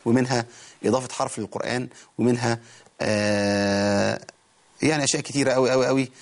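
Egyptian man, Quran recitation teacher, TV lesson, plain explaining, slow drawn-out recitation. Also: medium pitch, creaky, darkish tone. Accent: Egyptian Arabic.

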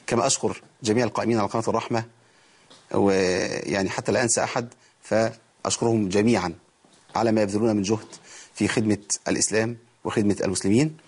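A man with an Egyptian accent teaching Quran recitation on a TV programme, explaining rules in quick colloquial speech and reciting verses slowly. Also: lowish voice, fairly even intonation, a little mellow, breathy edge. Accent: Egyptian Arabic. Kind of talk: TV recitation lesson.

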